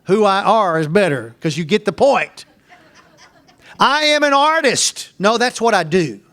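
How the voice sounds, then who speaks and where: Folksy bible teacher guy, slow and deliberate, repeats himself to drive it home. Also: sits high, lively intonation, fairly bright tone. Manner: folksy, earnest, repeats key points. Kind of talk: verse-by-verse Bible lesson.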